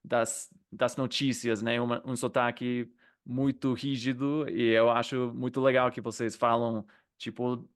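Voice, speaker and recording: A man hosting an interview, asking questions in a relaxed way with plenty of fillers. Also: medium pitch, unhurried. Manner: friendly questioning with many fillers. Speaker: host and interviewer. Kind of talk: casual interview.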